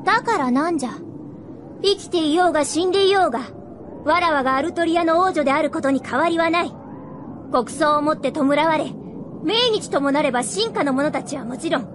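Very high-voiced haughty princess. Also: female voice, a little fast, noisy background. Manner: imperious, pompous. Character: haughty, hot-tempered young princess, archaic regal speech. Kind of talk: Japanese radio drama acting.

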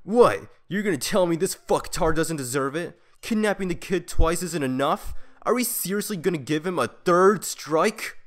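A man's voice: a little high, expressive, moderate pace, hardly any pauses, natural voice. A man as a hot-headed, aggressive young tough. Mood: indignant. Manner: aggressive, indignant. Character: hot-headed, foul-mouthed young tough guy with a gun. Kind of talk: audio drama acting.

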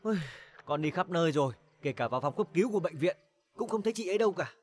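An actor playing a polite young adult son who talks in a hurried way in a television drama. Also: male voice, high voice, expressive. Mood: earnest. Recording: television drama with clear background noise.

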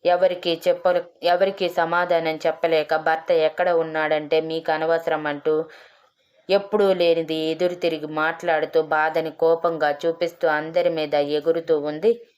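Woman, storyteller, scripted narration, low voice, smooth and clear. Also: little pitch movement, moderate pace, a little mellow, muffled recording.

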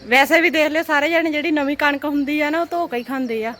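A woman's voice: sits high, quick pace, fairly bright tone. A woman with a Punjabi accent chatting casually in a teasing, chiding way as she vlogs. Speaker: vlogger. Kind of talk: casual vlog chat.

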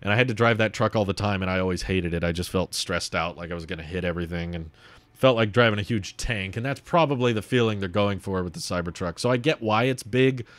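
Low-pitched young man in casual commentary. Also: fast, no room sound. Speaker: video host reading and answering viewer comments. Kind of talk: casual livestream commentary, thinking aloud. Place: small home room set up as a streaming studio, indoors. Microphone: desk microphone on a boom arm, close.

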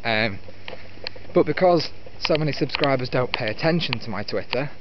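A man in his twenties rambles casually to a handheld camera as he walks outside. His voice sits at a medium pitch and he sounds a little exasperated. The audio is dull, with clear ambient noise around him. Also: lively intonation, moderate pace. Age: 20s. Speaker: video show host. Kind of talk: rambling casual vlog chat. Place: outdoors on a walk through countryside. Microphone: handheld camera at arm's length. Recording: muffled outdoor recording with loud ambient noise.

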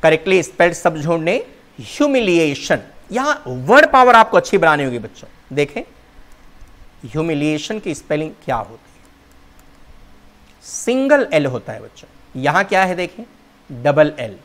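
A man's voice: a little high, big pitch swings, normal speed, long pauses, a bit bright. A male teacher explaining English vocabulary and spelling in Hindi, calling his students "children" and spelling words out letter by letter.

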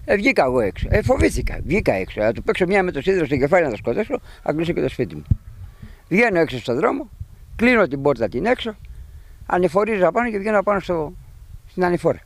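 A middle-aged man outdoors at his sheep pen, retelling to a reporter what happened in an agitated, animated way. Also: sits high. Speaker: sheep pen owner telling of an intruder. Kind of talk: eyewitness account to a reporter.

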